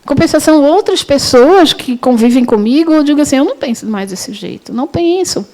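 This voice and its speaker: High, mellow-voiced woman teaching. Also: expressive, a little fast. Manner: conversational, with frequent restarts and self-corrections. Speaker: university lecturer teaching a spiritist course. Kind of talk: storytelling lecture.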